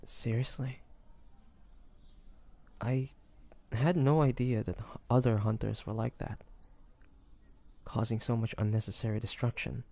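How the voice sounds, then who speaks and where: A man's voice: mid-range voice, steady tone, measured pace, gravelly, pauses often, a little mellow. A man playing a flustered, smitten demon hunter in a romantic audio roleplay, hesitant and stammering, often muttering to himself. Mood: puzzled, concerned. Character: flustered young male demon hunter, secretly smitten and awkward.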